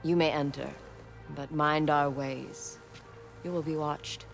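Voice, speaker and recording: A proud tribal border guard with a gravelly, fairly high male voice. He speaks solemnly and formally, as a commanding warrior in a cinematic game, over faint music. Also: steady tone, takes it slowly. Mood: grim, warning. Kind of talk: cinematic video game acting.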